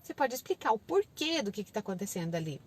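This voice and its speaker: A woman's voice: mid-range voice, very animated, fast talker, darkish tone, husky. A woman hosting a parenting channel, giving casual advice to parents and acting out sing-song lines spoken to a small child.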